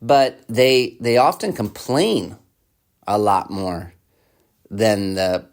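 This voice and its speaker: A man's voice: lowish voice, very animated, takes it slowly, gravelly. A man preaching a sermon in a conversational way, asking the listener repeated questions and reading quotes aloud. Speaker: pastor.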